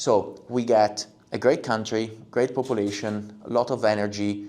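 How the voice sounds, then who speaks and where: Speaking in an Italian accent, a man keeps a fairly low pitch and a flat, monotone intonation. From Italy. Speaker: tech company executive. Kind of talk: interview. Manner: halting, many fillers.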